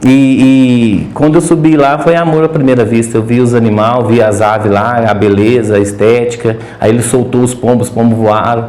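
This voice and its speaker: A man's voice: mid-range voice, fairly even intonation, moderate pace, few pauses, a little mellow. Nervous Minas-accented man, echoey room. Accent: Minas Gerais Portuguese. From Brazil. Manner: hesitant, nervous, many restarts. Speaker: podcast guest, pigeon breeder. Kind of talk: casual interview chat.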